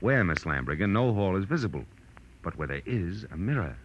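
A man's voice: sits low, sing-song, fairly quick, dull audio, a little hiss or hum. An American man playing a wry, hard-boiled private detective in a 1940s radio drama, with clipped, world-weary delivery. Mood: patient explaining. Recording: vintage 1940s radio broadcast with music.

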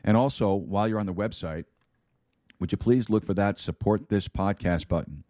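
A man hosting a sermon podcast, hoarse and raspy from losing his voice, talking to listeners in a folksy way with many fillers. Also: lowish voice, normal speed, warm tone, dry recording, clean studio sound. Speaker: podcast host and Bible teacher. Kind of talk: casual sermon-podcast talk.

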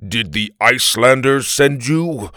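A man's voice: mid-range voice, lively intonation, dry recording, clean studio sound. Man putting on a huge growling Viking warrior. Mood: angry. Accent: heavy Scandinavian. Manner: growling, slow, forceful. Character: huge gruff Viking warrior, fierce and booming.

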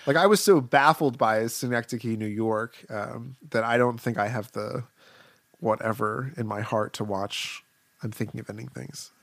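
A man with a mid-pitched voice in a casual film discussion, recorded dry and close. He talks as a podcast co-host, hedging his points in loose, conversational phrases. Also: moderate pace, gravelly, a bit bright, no room sound.

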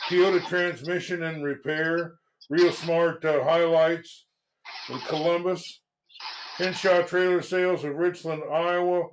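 High-voiced man hosting sports radio. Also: slight background noise, low-quality recording. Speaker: sports show host. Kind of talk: casual sports radio talk.

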